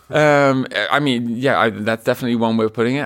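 A man with a slight Swedish accent talks at a fairly quick pace, his medium-pitched voice keeping fairly even intonation. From Sweden. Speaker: company founder and CEO. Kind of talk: interview.

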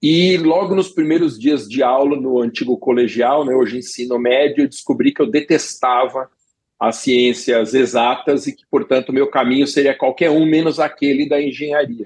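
This man has an ordinary speaking voice with a fairly high pitch. He talks at a moderate pace. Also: ordinary pitch variation, big swings in loudness. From Guarulhos, Greater São Paulo, Brazil. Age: 40s. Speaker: law professor. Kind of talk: interview.

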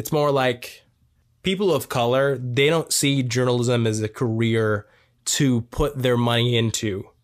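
Here is a man with an ordinary speaking voice, at a medium pitch and a moderate pace with ordinary pitch variation. The recording is very clean, with a silent background. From Southeast Ohio, US. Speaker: documentary filmmaker and photojournalist. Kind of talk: casual interview.

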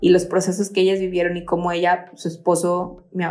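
Fairly quickly, a woman speaks with a fairly low pitch. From Mexico, Monterrey. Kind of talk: interview.

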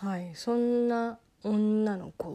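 Her pitch fairly high and her tone dark and mellow, a woman speaks at a very slow pace with ordinary pitch variation. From Japan, partly raised in Beijing. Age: 30s. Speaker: picture book instructor and podcaster. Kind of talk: casual personal monologue. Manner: chatty, many fillers.

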